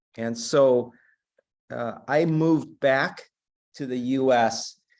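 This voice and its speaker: His speech moves at a very slow pace. The man's pitch is medium. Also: very clean recording, silent background. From US, Seattle, Washington. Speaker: medical school dean and neurosurgeon. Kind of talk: lecture. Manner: halting, many fillers.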